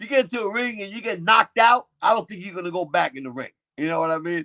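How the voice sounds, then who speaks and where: A man's high, bright, sharp, raised and projected voice at a very fast pace, with big swings in loudness and a dry, close sound with no echo. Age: 60s. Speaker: comedian. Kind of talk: casual interview chat. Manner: halting, many repetitions.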